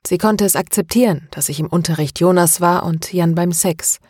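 A woman voicing a calm, tired middle-aged man confessing his past, in an audiobook. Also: on the low side, slightly rough, no room sound, studio quality. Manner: calm, even and measured.

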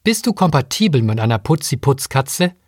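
A man's voice: mid-range voice, big pitch swings, moderate pace, a little mellow, breathy edge, dry recording, studio quality. A man playing a mild, shy adult man who talks in a hesitant way.

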